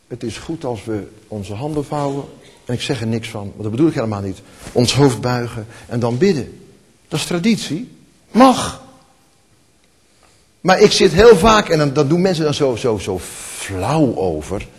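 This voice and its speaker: A man preaching a sermon, moving between hushed, tender passages and rising, emphatic calls. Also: mid-range voice, animated, moderate pace, pauses often, breathy edge. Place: church. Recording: long hall reverb.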